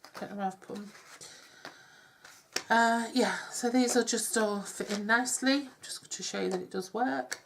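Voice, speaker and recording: A woman's voice: medium pitch, normal speed, gravelly, noisy background. Chatty woman with a cold. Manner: rambling, self-deprecating, drops to soft asides. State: congested with a cold. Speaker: craft tutorial host. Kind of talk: chatty step-by-step craft demonstration. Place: home craft table. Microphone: overhead camera on hands, speaker off-screen.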